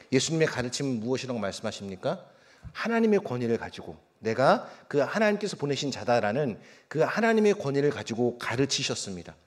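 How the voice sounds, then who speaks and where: A male pastor preaches a sermon, asking the congregation questions and reading scripture aloud in a raised voice. His pitch is medium, and he slows down and lets his voice drop softly at the ends of phrases.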